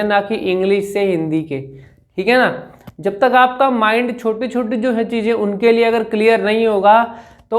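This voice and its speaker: Young Indian male speech coach, Hindi accent, fairly high voice, patient explainer who stretches vowels. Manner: slow drawn-out demonstration of vowels, repeats "ठीक है ना". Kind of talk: spoken lesson to camera.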